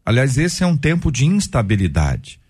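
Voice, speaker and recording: A man's voice: medium pitch, wildly swooping pitch, normal speed, darkish tone, slightly rough. A man hosting a Christian discussion program, reflective and fond of imagery, who puts questions to his guests. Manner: reflective, uses vivid imagery. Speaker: host. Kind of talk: Christian radio discussion panel.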